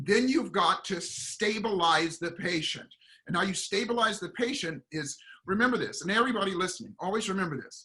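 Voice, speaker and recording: Raising and projecting his voice, a man talks at a fairly quick pace in a high pitch with ordinary pitch variation. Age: 60s. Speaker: performance coach. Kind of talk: interview. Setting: podcast.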